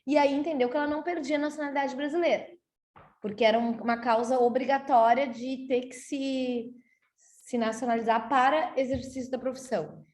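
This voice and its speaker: A Brazilian-accented woman teaches a law class in a loose, conversational manner, explaining cases and checking in with her students as she goes. Her voice sits high. The room rings with a noticeable echo. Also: fairly even intonation, a little fast, darkish tone. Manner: chatty and explanatory, tags sentences with "tá?". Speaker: law lecturer. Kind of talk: university lecture to a class. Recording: roomy echo.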